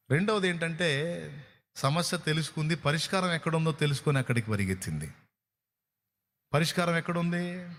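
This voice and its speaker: At medium pitch and a bit bright, a pastor with a Telugu accent preaches with emphasis. He keeps pushing his point with rhetorical questions and acted-out remarks from others.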